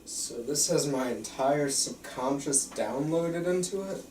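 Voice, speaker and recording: A man's voice: fairly high pitch, unhurried, a little mellow, lightly acted. A man playing a nervous, distrustful patient at a film script table read in an echoey room. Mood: uneasy. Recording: roomy, distant mic, faint room noise.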